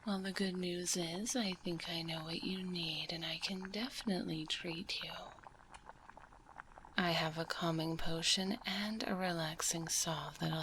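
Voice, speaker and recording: Woman playing a slow, half-whispering gentle witch. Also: fairly low pitch, slight background noise, low-quality recording. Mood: gently probing. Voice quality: soft, breathy, half-whispered. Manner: unhurried, soothing, calls listener dear. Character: kindly witch alchemist, older than she looks, gently teasing. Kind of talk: ASMR roleplay. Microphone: close binaural microphone.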